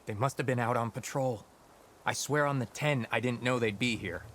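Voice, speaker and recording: An actor playing an earnest, pleading young tribal warrior in a video game cutscene. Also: male voice, medium pitch, moderate pace, fairly bright tone, slight background noise, lightly acted. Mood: desperate, pleading. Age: young adult.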